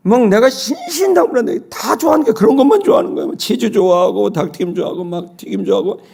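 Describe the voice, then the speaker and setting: A middle-aged male pastor preaching a Sunday sermon, telling a personal story with loud exclaims and soft low asides. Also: animated, fast, creaky, husky.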